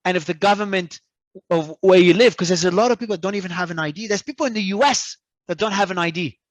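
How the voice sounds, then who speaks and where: A man from Australia, a guest talking in an animated, emphatic way and often repeating words as he restarts. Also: sits high, fast, dry recording. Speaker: crypto entrepreneur guest. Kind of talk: casual interview talk.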